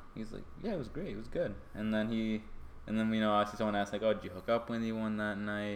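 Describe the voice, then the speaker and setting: With a New York accent, a man talks at a very fast pace in a fairly low pitch with fairly even intonation. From Long Island, New York. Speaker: podcast guest. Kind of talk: casual chat.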